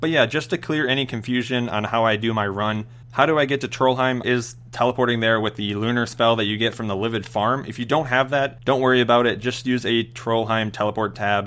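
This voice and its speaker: The speaker is a man with a medium pitch. He talks fairly quickly. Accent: Minnesota. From US Midwest, Minnesota. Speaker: gaming YouTuber. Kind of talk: gaming tutorial commentary. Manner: casual, conversational.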